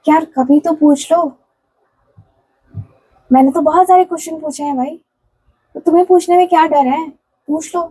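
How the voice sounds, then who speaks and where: A woman's voice: high-pitched, steady tone, normal speed, long pauses, warm tone, low-quality recording. A woman tarot reader speaking a channeled love message in the first person, earnest and pleading, repeating herself with casual fillers. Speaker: tarot and candle wax reader.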